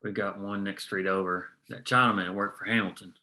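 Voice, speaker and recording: A man playing a tough, profane small-town lawman in a drama table read, speaking in terse, measured lines. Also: on the low side, fairly even intonation, sharp tone. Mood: businesslike.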